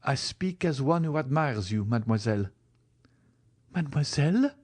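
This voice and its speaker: A man's voice: medium pitch, lively intonation, moderate pace, a little mellow, lightly acted. A man reading a novel aloud, voicing a desperate young woman who pleads and cries out. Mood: grieving, then indignant.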